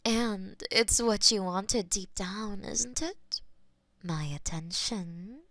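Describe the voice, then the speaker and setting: A woman's voice: mid-range voice, slow pace, dry recording. Woman doing a possessive demon lady, taunting, drops to whispers, takes her time. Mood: teasing, commanding. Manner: teasing and possessive, slipping into soft whispers. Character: possessive, taunting wealthy female demon mistress. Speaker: audio roleplay performer. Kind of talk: scripted audio roleplay.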